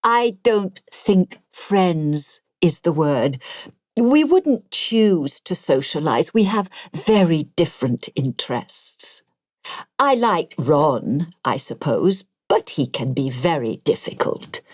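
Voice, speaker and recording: A woman voicing a precise, genial and rather vain gentleman of eighty in an audiobook, speaking deliberately and with self-satisfaction. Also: sits low, very animated, dry recording, clean studio sound, heavily acted. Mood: matter-of-fact.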